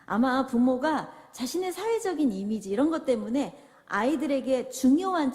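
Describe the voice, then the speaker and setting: A woman's voice: fairly high pitch, darkish tone. A woman giving a church parenting lecture, asking the audience questions and acting out parent and child dialogues. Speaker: parenting seminar speaker. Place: large church hall. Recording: reverberant hall.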